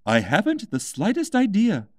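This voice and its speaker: A man's voice: high-pitched, wildly swooping pitch, moderate pace, a little mellow, dry recording, clean studio sound, pitched above the performer's own voice. A man voicing a mad, contrary storybook hatter who speaks in an emphatic, pedantic way. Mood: puzzling, brisk. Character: mad, contrary male tea-party hatter, riddling.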